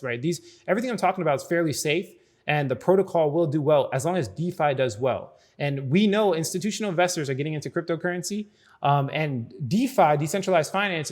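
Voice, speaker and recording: A man hosting an explainer video in casual commentary, speaking informally and straight to the viewer with frequent check-in tags. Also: fairly high pitch. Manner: informal, addresses viewers directly, checks in with "right?". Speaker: host of a crypto explainer video.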